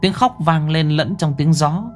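A man reading a ghost story aloud in a dramatic, expressive way. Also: on the high side, unhurried, soft background music. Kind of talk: scripted horror story narration.

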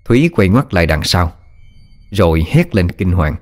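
A man reading a scripted horror story in a dramatic, expressive way. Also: low-pitched, normal speed, faint music behind.

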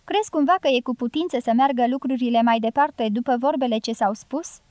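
A woman reading the part of a tipsy male gypsy guerrilla who keeps urging in a low, insistent voice. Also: darkish tone, no room sound, natural voice. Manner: urgent low prodding, half-whispered.

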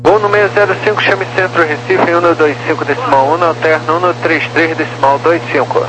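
A man's voice: a little high, steady tone, brisk. A man working as an air traffic controller, reading out procedural instructions over the radio. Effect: radio transmission. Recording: noisy aviation radio with mains hum.

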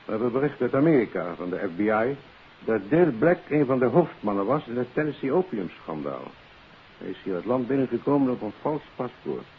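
An actor playing a confident, authoritative senior police chief in a 1950s Dutch radio play. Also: male voice, mid-range voice, very animated, brisk. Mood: businesslike. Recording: tinny, hissy old radio recording.

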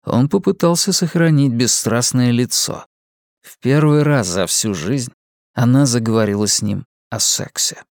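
A man narrating a novel as an audiobook in a measured, even storytelling manner. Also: medium pitch, dry recording, clean studio sound.

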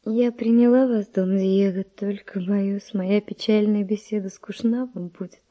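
An actress playing a virtuous young Spanish noble widow, with refined, breathy, emotional delivery in a verse radio drama. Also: female voice, medium pitch, fairly even intonation, measured pace, mellow, close to an everyday voice. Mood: demure.

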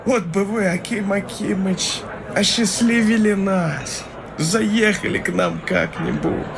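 An actor playing a young clerk, newly prosperous, who talks in a wheedling, ingratiating way. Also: male voice, high-pitched, slow pace, vocal fry, a crowd in the background, exaggerated voice. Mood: fawning. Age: young adult. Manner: ingratiating, wheedling, pushy kindness. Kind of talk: radio drama acting. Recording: hissy radio play recording.

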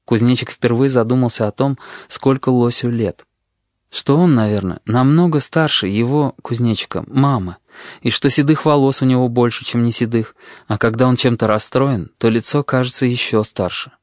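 A man reading a storybook aloud in a measured, expressive way. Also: mid-range voice, dry recording, studio quality. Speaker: narrator. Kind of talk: storybook narration.

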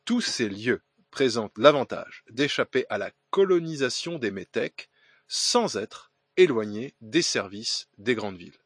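A man's voice: medium pitch, sing-song, measured pace, slightly rough, no echo, studio quality. A man hosting a podcast, reading listener letters aloud with hesitant fillers, restarts and ironic asides. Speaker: podcast host.

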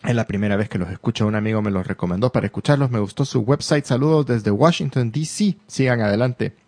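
A man with a Salvadoran accent co-hosts a relaxed podcast and reads listener comments off a screen. He throws in playful English phrases. His voice sits in a mid range and sounds close and dry, with no room echo. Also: medium pitch, fast. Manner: joking, drops English phrases. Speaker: podcast co-host. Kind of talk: casual chat, reading listener comments.

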